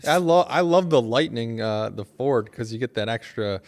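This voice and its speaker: A man's voice: medium pitch, expressive, normal speed. A man chatting casually as a panelist on a talk show. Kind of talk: casual chat.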